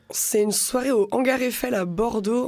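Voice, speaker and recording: The speaker keeps a fairly even intonation at a moderate pace. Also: woman. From Brittany, France. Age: 20s. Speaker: DJ. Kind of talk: podcast interview. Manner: hesitant, many fillers.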